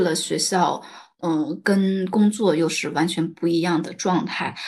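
Over a quiet background, a woman speaks at a very slow pace. Her fairly low voice shows ordinary pitch variation. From China. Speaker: immigrant guest. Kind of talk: casual chat.

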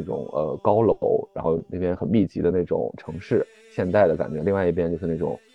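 Music runs underneath the speech. The talking is fairly brisk, with ordinary pitch movement. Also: man. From Lanzhou, Gansu, northwest China. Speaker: podcast co-host. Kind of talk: casual chat.

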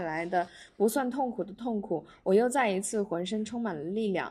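A plain, everyday voice moves at a moderate pace with ordinary pitch variation, recorded very cleanly against a silent background. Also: woman. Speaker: broadcasting student. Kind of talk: casual chat.

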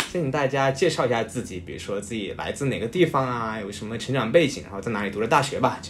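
Speech comes at a very fast pace with hardly any pauses and ordinary pitch variation. Loudness swings widely over noticeable background noise. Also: man, medium pitch for a man. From Sichuan, China. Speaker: podcast host. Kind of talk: casual chat; scripted intro.

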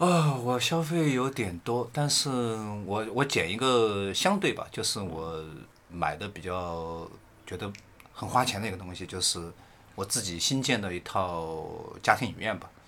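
A man with a plain, everyday voice talks slowly-ish at a fairly low pitch, his intonation lively and his loudness swinging widely. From Sichuan, China. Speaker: podcast guest, plant enthusiast. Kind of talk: casual chat.

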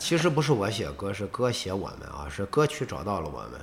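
Fairly quick speech with vocal fry and very wide pitch swings. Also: man. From Yinchuan, northwest China. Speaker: rock band lead singer. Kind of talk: casual interview.

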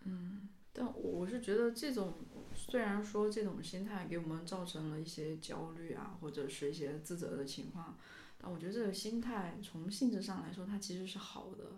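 A woman talks at a moderate pace, with ordinary pitch variation, while noticeable background noise and audible room echo fill the recording. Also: medium pitch for a woman. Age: 20s. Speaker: podcast co-host. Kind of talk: casual chat.

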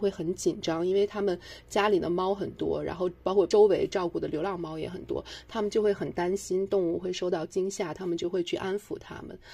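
Her voice has a dark, mellow tone at a medium pitch. The woman keeps a fairly quick pace with fairly even intonation. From Beijing. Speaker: journalist. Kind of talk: casual chat.

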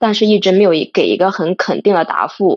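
Fairly quick and fairly even in intonation, a woman talks in an ordinary speaking voice. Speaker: undergraduate student caller. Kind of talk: call-in question.

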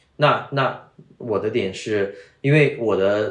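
The voice has ordinary pitch variation, heard with audible room echo. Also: man. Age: 20s. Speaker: podcast co-host. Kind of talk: casual chat. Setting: in person, Stockholm. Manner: animated.

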